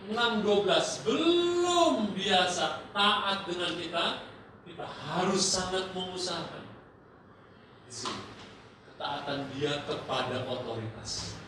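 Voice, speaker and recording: A man leading a church parenting seminar, lively, acting out parent and teen exchanges and dropping in English phrases. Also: high voice. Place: large church hall. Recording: echoey hall, voice far from mic, noisy.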